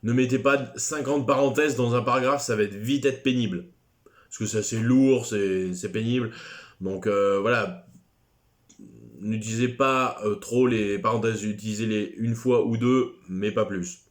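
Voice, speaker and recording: A man's voice: lowish voice, a little slow. A man teaching a recorded French class lesson, chatty and digressive, with self-deprecating asides.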